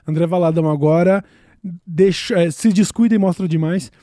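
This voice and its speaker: Sarcastic slangy Brazilian man, high voice. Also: normal speed, dark tone, no echo, studio quality. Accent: Brazilian Portuguese. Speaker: podcast host. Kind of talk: casual comedic commentary.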